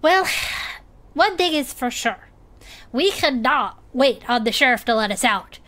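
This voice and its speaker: Woman doing a high sweet shell-backed creature. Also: lively intonation, measured pace, a bit bright. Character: cheerful gentle creature with a shell garden. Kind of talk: audio drama comedy.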